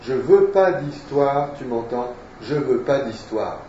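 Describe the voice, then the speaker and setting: A man's voice: mid-range voice, expressive, takes it slowly, background noise. A man voicing an indignant older male landlord who rants against having a child in his house, read aloud in a lesson. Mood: outraged. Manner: indignant, ranting. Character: irate older male landlord fearing scandal. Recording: echoey room, distant mic, dull sound.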